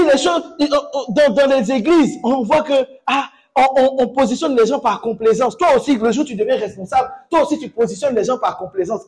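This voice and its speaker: A man preaching a sermon as pastor, exhorting the congregation with call-and-response and bursting into loud exclamations. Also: extremely high pitch.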